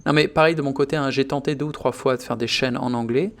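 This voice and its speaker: A man from France hosting a casual interview. He speaks in a measured, reflective way, at a middling pitch. He lays out his reasoning at length. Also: steady tone, vocal fry. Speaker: host.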